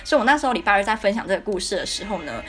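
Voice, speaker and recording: Young Taiwanese woman podcaster, Taiwanese Mandarin accent, rapid-fire casual monologue, blunt and indignant. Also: medium pitch, expressive, music in the background. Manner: candid, indignant storytelling with frequent fillers. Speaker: podcast host.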